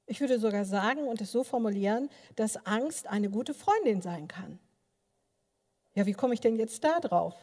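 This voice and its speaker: Older woman, lay preacher in a church, lively storyteller with lots of filler sounds, long hall reverb. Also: on the high side, moderate pace. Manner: animated storytelling, many filler sounds, addresses listeners directly. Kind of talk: sermon with personal stories.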